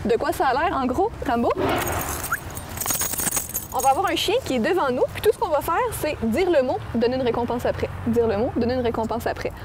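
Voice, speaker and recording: A woman with a Québécois accent explains dog training patiently, using everyday examples. Her voice sits a little high. The room echoes with a long reverb, and faint noise sits underneath. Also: lively intonation, fairly quick. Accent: Québécois French. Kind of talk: explaining training methods in an interview.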